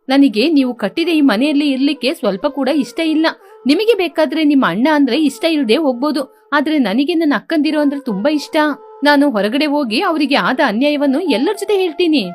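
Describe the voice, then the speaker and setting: A woman voicing a defiant, loyal teenage girl who scolds her parents in a sharp, indignant way. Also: high-pitched, lively intonation, a little fast.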